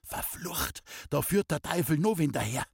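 A man reading aloud gives voice to a rough, hot-tempered young mountain lad who hisses and mutters angrily. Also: a little high, expressive, normal speed, no echo, clean studio sound, voice pushed up. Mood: angry hiss.

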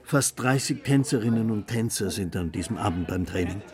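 A man's voice: fairly low pitch, animated, moderate pace, over music. A man narrating a scripted documentary report as a reporter.

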